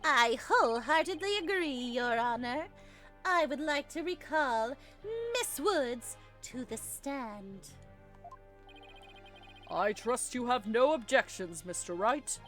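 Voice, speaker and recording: A woman's voice: a little high, animated, slow, a bit bright. A woman playing through a video game, reading the characters' dialogue aloud in a theatrical, playful way. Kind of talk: gaming playthrough with dramatic read-aloud of characters. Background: video game music.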